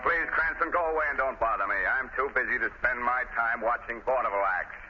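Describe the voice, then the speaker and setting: An actor playing a gruff, impatient, skeptical police commissioner in a 1930s radio drama, brusque and dismissive. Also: male voice, mid-range voice, quick pace, soft background music, lightly acted. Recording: muffled, noisy 1930s radio recording.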